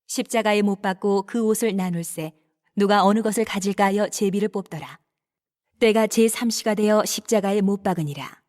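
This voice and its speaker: A woman narrates a dramatized scripture text. Her pitch sits in the middle for a female voice. She reads in a measured way and enunciates each phrase. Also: a little mellow.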